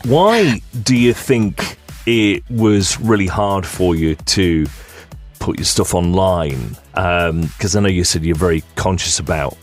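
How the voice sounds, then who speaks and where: A man's voice: sits low, expressive, takes it slowly, faint music behind. A male radio host interviewing a guest in the studio, asking curious and playful questions.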